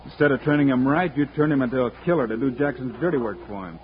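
Man doing a cool steady cowboy hero, even mid voice, phone-thin old radio hiss. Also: medium pitch, natural voice. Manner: calm, measured. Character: calm steady male frontier lawman hero. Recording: tinny old radio transcription, faint hiss.

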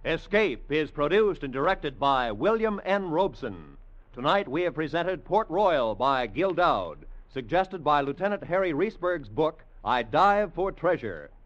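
A man gives formal, emphatic radio announcements with lots of lift and fall in his voice. His pitch sits fairly high. It sounds like a dull old broadcast with faint music behind him. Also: very animated, measured pace, fairly bright tone.

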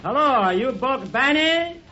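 An actor playing a brazen, evasive quack doctor in comic patter, in 1930s radio comedy style. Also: male voice, very high voice, lively intonation, unhurried, sharp tone, a faint crowd, full character voice. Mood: flippant. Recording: muffled, hissy old radio recording.

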